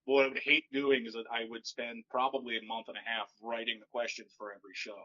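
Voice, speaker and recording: A man in a casual podcast chat, a comedian with a mostly deadpan, monotone delivery that kicks up when he rants. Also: mid-range voice, fast talker, highs cut off. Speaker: stand-up comedian guest.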